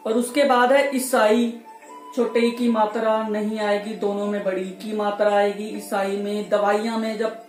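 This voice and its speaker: Slow, careful woman teaching Hindi. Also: mid-range voice, darkish tone, echoey room. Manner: slow, deliberate explanation with contrasting word pairs. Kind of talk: spoken grammar tutorial.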